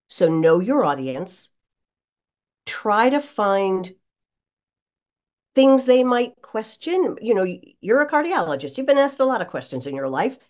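A woman voice coach explains things in a conversational interview style. Her pitch sits a little low but swings in a very animated, emphatic way. The recording is slightly dull and lo-fi. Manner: expressive, emphatic, acts out examples. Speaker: voice coach, guest.

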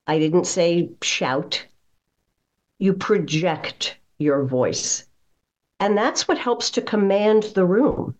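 A woman's voice: on the low side, a little mellow. A woman speaking as a voice coach in an interview, explaining in an instructive way with emphasis on key phrases. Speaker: voice coach, guest. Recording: slightly dull, muffled audio.

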